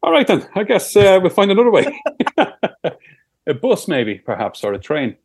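A young Irish man co-hosting a podcast, telling stories in a sweary, animated way. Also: high-pitched, normal speed, husky. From Ireland. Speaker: podcast co-host. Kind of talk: casual chat.

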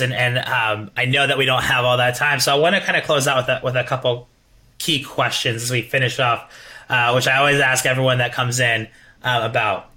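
A man hosting an interview podcast, talking with energy, often restarting and adding "right?". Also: medium pitch. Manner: energetic, repeats words, tag questions. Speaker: podcast host. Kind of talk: casual interview chat.

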